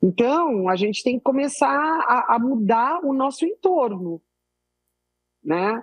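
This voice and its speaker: A woman talks with very wide pitch swings. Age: 70s. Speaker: futurist speaker. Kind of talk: podcast interview. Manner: animated.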